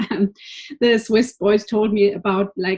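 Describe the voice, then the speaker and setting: A woman speaks in a German accent. Her pitch is medium and her intonation fairly even. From Germany. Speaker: storytelling workshop participant. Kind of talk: personal storytelling. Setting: video call. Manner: hesitant, with many fillers.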